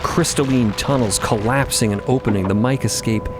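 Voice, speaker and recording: A man's voice: mid-range voice, normal speed, music in the background. A man narrating a fiction podcast in the present tense, vividly descriptive with conversational asides.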